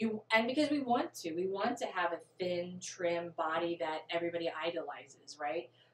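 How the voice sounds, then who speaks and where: With an American accent and a fairly low pitch, a woman speaks at a moderate pace amid audible room echo and light background noise. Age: 50s. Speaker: podcast co-host. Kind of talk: casual chat. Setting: studio. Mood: earnest, opinionated. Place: home room.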